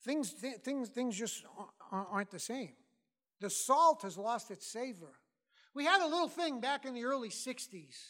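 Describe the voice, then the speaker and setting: On a very clean recording with a silent background, a man with an extremely high pitch and a bright, sharp tone speaks at a moderate pace with lively intonation. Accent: American. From Massachusetts. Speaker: pastor. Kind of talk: sermon. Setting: church.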